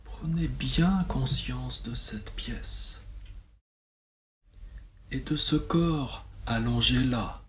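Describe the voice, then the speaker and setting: A man guides a relaxation meditation as a yoga nidra teacher, soothing and measured, with long pauses. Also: mid-range voice, fairly bright tone, a little hiss or hum.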